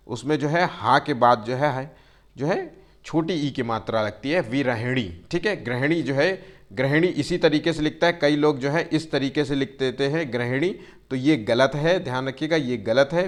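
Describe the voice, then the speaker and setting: A man teaching a Hindi grammar exam-prep lesson, constantly using fillers, checking in with his students and drawing words out slowly to spell them. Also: mid-range voice. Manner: tells students to take care and keeps checking "theek hai".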